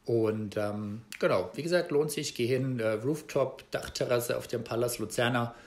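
A man's voice: medium pitch, moderate pace. Chatty man in his thirties vlogging. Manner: relaxed, chatty, many fillers and restarts. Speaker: travel vlogger. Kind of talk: casual travel vlog to camera. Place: small room at home, indoors.

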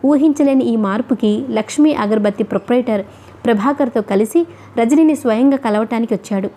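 A woman narrating a novel as an audiobook reader, in a steady, even storytelling manner. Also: a little high.

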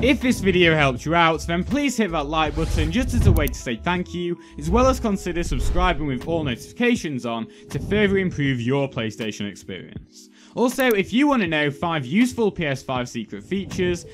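A young man narrates a scripted how-to guide in a fairly high voice with very animated intonation. He lays out instructions step by step as a video host. Music plays softly behind him. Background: background music.

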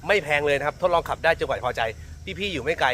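With a fairly high, somewhat bright voice, a Central Thai-accented used car dealer talks fast and animatedly while showing a car from the inside, slight noise in the background. In this casual vlog he chats away, teases himself, and addresses viewers as older siblings.

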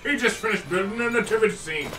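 Whiny henpecked Joseph. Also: male voice, sits high, lively intonation, fast, bright, forceful tone, soft background music. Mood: amazed. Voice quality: whiny, exasperated. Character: henpecked put-upon husband Joseph, whiny. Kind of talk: comic radio drama. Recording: roomy, distant mic.

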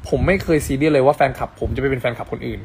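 A man's voice: mid-range voice, vocal fry, a little mellow, a little hiss or hum. A man hosting a casual live stream on a phone mic, reading fan comments aloud and chatting affectionately with fans. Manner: spells letters out slowly.

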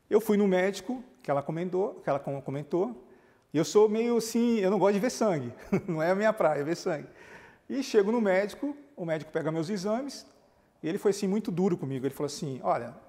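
A man's voice: fairly high pitch, a little fast, long reverb tail. A man, a pastor, telling his testimony in a TV interview, acting out quoted dialogue as he goes. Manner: animated storytelling, acts out quoted dialogue.

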